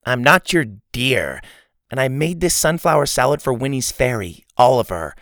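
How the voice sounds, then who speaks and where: A man's voice: medium pitch, sing-song, normal speed, a bit bright, dry recording, clean studio sound, voice pushed up. A man reading a storybook, voicing a cheeky, blunt little girl who talks back. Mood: sassy. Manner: sassy and blunt.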